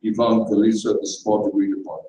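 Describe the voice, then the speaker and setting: A man narrating a short story in a dramatized live reading on a festival stage, in a measured storytelling manner. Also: lowish voice, little pitch movement, warm tone. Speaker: reader, narrator. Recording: echoey hall, voice from far off.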